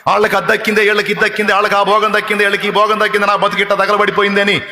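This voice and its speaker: Grieving devoted young woman pleading in repeated laments, voiced by a male preacher, bright tone, hall echo. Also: high-pitched, level tone, racing, voice pushed up, full character voice.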